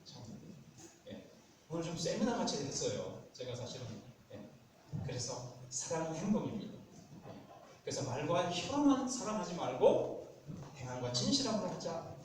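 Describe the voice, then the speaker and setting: A man preaches in a relaxed, folksy way and acts out little scenes between husbands and wives. His voice sits a bit high and carries from a distance. The sound bounces around a large, reverberant church. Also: normal speed, background noise. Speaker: pastor. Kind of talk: sermon. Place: church sanctuary. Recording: echoey church sanctuary, distant mic.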